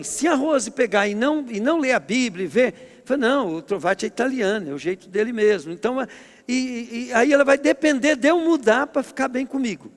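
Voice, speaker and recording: Middle-aged Brazilian pastor, forceful and emphatic, pitched high, preaching in a reverberant church hall. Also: male voice. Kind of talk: sermon.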